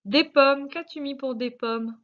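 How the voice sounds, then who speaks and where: A woman teacher with a French accent, slowly and patiently correcting a spelling lesson for young pupils, sounding out syllables. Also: high-pitched, dull audio. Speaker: primary school teacher.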